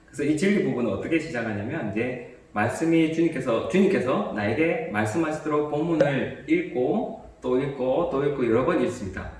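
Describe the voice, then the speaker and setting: A man, a priest, calmly explaining a bible commentary and how to meditate with it, with small restarts. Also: medium pitch, fairly quick, hardly any pauses, very echoey, recorded from a distance, slight background noise.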